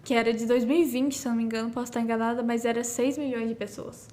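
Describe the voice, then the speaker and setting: A woman's voice: a little high, little pitch movement, very fast, warm tone, a little hiss or hum. A woman, a sign language teacher and podcast guest, explaining things with everyday examples and a frequent "né?". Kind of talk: casual podcast conversation.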